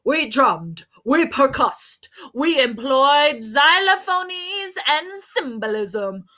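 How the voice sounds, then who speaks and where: Woman as rowdy, high-pitched percussion instruments. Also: sing-song, slow pace, pushed and bright, exaggerated voice. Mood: boastful. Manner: barging in, emphatic. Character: boastful, rowdy percussion instruments, exuberant partiers. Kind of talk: storybook character voice.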